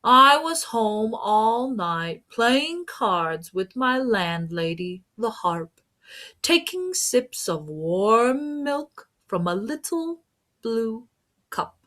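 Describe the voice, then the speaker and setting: A woman voicing a prim, homebody bachelor tuba from a storybook, speaking deliberately. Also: on the high side, big pitch swings, sharp tone, exaggerated voice. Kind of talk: storybook character voice.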